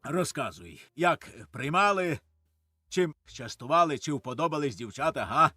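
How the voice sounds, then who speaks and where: A man's voice: fairly high pitch, animated, normal speed, dry recording, faint music behind. A man reading the part of a grasping, coarse old farmer who curses and grumbles, in a dry studio audiobook of a stage play. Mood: gruff. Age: older. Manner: gruff, cursing, shouts in his sleep.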